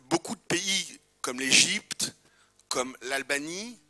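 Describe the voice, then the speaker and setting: A man's voice: fairly high pitch, animated, takes it slowly, sharp tone. A man making an insistent argument at a conference, with rising emphasis. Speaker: conference speaker. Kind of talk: argumentative talk.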